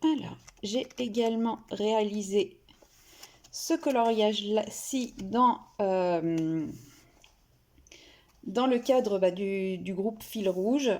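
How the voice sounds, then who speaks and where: A woman's voice: mid-range voice, slow, a little mellow. A woman vlogger casually showing her finished coloring pages, hesitant, with many fillers and restarts. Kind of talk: casual show-and-tell.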